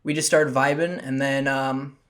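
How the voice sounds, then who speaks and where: A man's voice: medium pitch, fairly even intonation, moderate pace, a bit bright. A young man co-hosting a podcast, talking in a loose, rambling, jokey way. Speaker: podcast co-host. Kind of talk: casual podcast chat.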